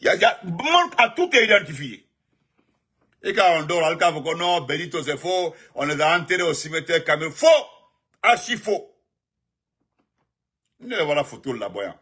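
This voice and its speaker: A man, giving animated live-stream political commentary and greeting viewers, repeating himself and jumping up in pitch when he stresses a point. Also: normal speed, long pauses, husky. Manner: excited, repetitive, pitch jumps up sharply when emphatic.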